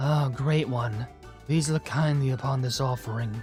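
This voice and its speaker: A shaky, put-on character voice speaks at a moderate pace over clear background music. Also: man, medium pitch for a man. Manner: reverent, pleading.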